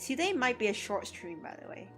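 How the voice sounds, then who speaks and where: A woman with a Cantonese mother tongue talks to her chat while she draws, rambling from one aside to the next and breaking into laughter. Her voice sits a little high. Soft music plays quietly behind her. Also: big pitch swings, a little fast. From Hong Kong. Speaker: art streamer. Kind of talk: casual chat while drawing. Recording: faint music under the voice. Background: soft background music.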